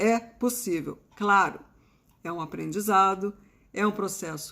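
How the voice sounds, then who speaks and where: This is a very clean recording with a silent background. Delivery is very slow. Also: woman. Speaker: ADHD mentor and live streamer. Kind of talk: live stream talk to viewers. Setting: live stream.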